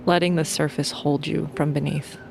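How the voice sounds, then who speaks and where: A woman's voice: deep voice, little pitch movement, normal speed, creaky, music in the background. A woman leading a guided sleep meditation in an informal, playful and soothing way.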